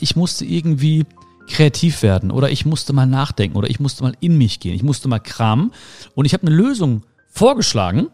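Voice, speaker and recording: Lively-voiced man musing to the listener. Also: mid-range voice. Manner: reflective, talks straight to the listener, acts out little dialogues. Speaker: podcast host. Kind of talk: casual advice monologue.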